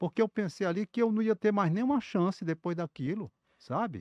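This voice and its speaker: A man at a fairly quick pace, dry and close with no echo, over a quiet background. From Brazil, Northeast (Fortaleza, Ceará). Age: 70s. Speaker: radio broadcaster and sports commentator. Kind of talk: interview. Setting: studio.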